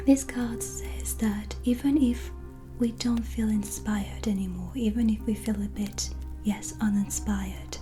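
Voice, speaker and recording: A woman playing a gentle, reassuring white witch tarot reader in a breathy, soft-spoken ASMR whisper. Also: medium pitch, lightly acted. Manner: slow, pausing, soothing, reflective. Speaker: ASMR roleplayer giving a tarot reading. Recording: soft music behind close voice. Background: soft relaxing music.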